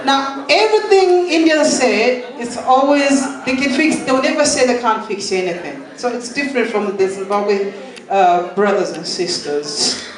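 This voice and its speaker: A young man from Malawi doing a halting, rambling stand-up set, laughing at his own jokes, recorded at a live venue. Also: very high-pitched. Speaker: stand-up comedian. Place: live comedy venue with audience. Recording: echoey room, far from mic, crowd noise.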